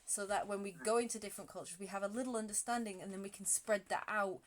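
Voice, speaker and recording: A woman's voice: mid-range voice, steady tone, quick pace. A woman talking earnestly in a casual conversation, thinking aloud with frequent restarts. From United Kingdom. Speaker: podcast host.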